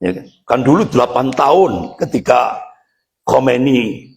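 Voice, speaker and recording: A middle-aged man from Indonesia, a Muslim preacher giving an emphatic, animated religious lecture to a congregation and addressing them directly. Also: medium pitch, measured pace. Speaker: Islamic preacher.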